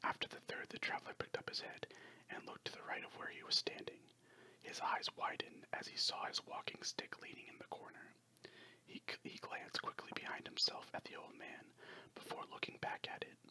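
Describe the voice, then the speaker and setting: Someone narrating a story in a breathy, unvoiced ASMR whisper, hushed and scripted. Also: moderate pace, poor audio.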